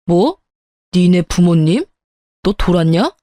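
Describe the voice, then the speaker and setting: A woman's voice: fairly low pitch, very animated, slow pace, dark tone, dry recording, studio quality. A woman voicing a dismissive, irritable husband with curt, scornful retorts in a scripted story reading.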